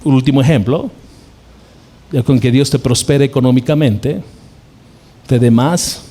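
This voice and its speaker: A man's voice: mid-range voice, unhurried, warm tone. A male pastor from Bolivia preaching a sermon, telling a story and acting out short quoted exchanges.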